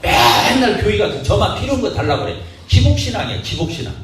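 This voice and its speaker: A male pastor preaches with animated energy, firing rhetorical questions at his congregation. His voice sits high and swings widely in pitch. The recording is set far from him in a very echoey church hall. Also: quick pace, slight background noise. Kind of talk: sermon. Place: church sanctuary.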